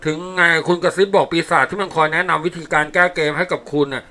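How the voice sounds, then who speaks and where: A man's voice: fairly high pitch, fast, bright, forceful tone. A man reading an audiobook, voicing an impatient army major who keeps pressing with questions. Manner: pushy, questioning.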